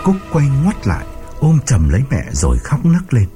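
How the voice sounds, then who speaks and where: A man's voice: medium pitch, wildly swooping pitch, normal speed. A man narrating a ghost story in a suspenseful, dramatic audiobook style, over background music.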